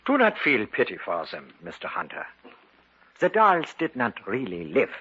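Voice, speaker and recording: A man's voice: mid-range voice, wildly swooping pitch, moderate pace, sharp tone, breathy edge, exaggerated voice. An actor playing a grave, commanding older man who hunts evil, in dramatic 1950s radio style. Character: elderly male occult investigator, grave and commanding. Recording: dull old radio broadcast with music.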